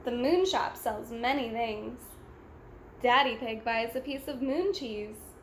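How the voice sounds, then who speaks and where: Lady reading a kids book out loud, high voice, really slow n careful, echoey room. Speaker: storybook read-aloud reader. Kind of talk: children's storybook narration, read aloud. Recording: echoey room with faint background noise.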